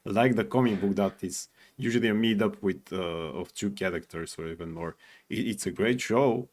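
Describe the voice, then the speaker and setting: Guy w a lowish voice, casual fan panel chat, kinda halting, repeats words while giving opinions. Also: a little mellow. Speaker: panelist on a fan ranking show.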